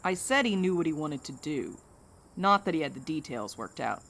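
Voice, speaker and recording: A woman acting in an audio drama as a steady, protective, wryly skeptical woman with a dry, matter-of-fact manner. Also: deep voice, normal speed, full character voice. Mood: pragmatic, wary.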